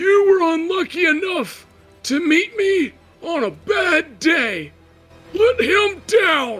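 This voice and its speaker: In a put-on character voice with extremely high pitch, the speaker talks at a very slow pace over faint music in the background. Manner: loud, shouting; threatening.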